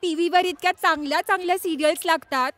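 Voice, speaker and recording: A woman's voice: very high-pitched, steady tone, fast, fairly bright tone, no room sound. A woman dubbing a melodramatic middle-aged mother in a family comedy film, scolding and plaintive.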